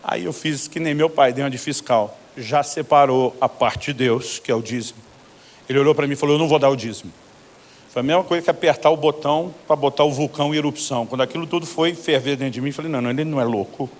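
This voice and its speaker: A man's voice: medium pitch, fast talker. A middle-aged man with a Brazilian Portuguese accent, a pastor preaching a sermon who tells stories and acts out both sides of the conversations. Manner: animated storyteller acting out both sides of conversations. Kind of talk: sermon storytelling with quoted dialogue.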